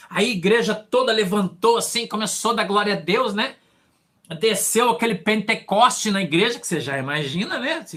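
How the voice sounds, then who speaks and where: Man, Brazilian Portuguese accent, pastor, sermon testimony, animated storytelling, hushed asides and shouts. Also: high-pitched.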